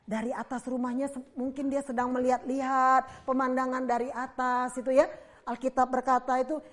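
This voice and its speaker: A woman from Indonesia narrates a Bible story for children as a Sunday school teacher. Her voice sits high and bright. She keeps it lively, tossing in sound effects and quick questions to her young listeners.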